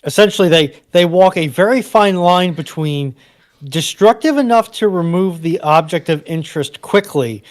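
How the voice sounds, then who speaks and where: A man's voice: high voice, normal speed. A man on a discussion panel, offering casual banter and commentary.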